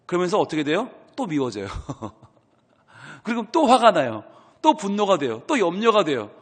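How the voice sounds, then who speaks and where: A man's voice: high voice, fairly bright tone, big-room sound. A male pastor giving an early-morning prayer sermon, earnest and full of rhetorical questions, breaking into acted-out prayers. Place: church sanctuary.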